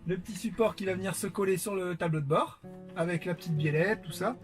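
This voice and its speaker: A man's voice: high-pitched, a little fast, music in the background. A man from France chatting casually to viewers while unboxing, with lots of fillers. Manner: chatty, many fillers, warm greetings to viewers. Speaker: vlogger.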